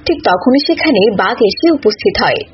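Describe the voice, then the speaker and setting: A woman's voice: mid-range voice, expressive, brisk. A woman reading scripted narration for a cartoon animal tale. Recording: muffled audio with faint noise.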